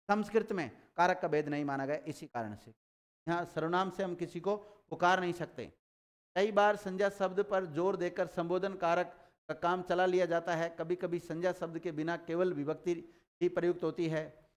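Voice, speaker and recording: Clear high-voiced grammar teacher. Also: male voice. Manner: explains and quizzes students with repeated questions. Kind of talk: grammar lesson.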